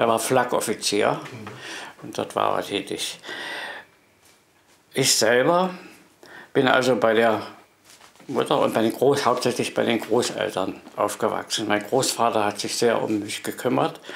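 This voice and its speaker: A man talks at a fairly slow pace with long, frequent pauses. His medium-pitched voice has vocal fry and ordinary pitch variation. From rural eastern Germany, near Magdeburg. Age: 80s+. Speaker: contemporary witness. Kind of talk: interview, personal memories. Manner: hesitant, with fillers and restarts.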